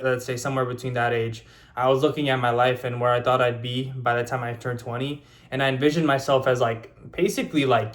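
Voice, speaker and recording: A young man in his early twenties speaks straight to his camera with a mid-range voice. He rambles loosely and leans on fillers, restarting his sentences as he goes. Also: mid-range voice. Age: 20s. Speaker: YouTuber. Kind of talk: casual vlog monologue.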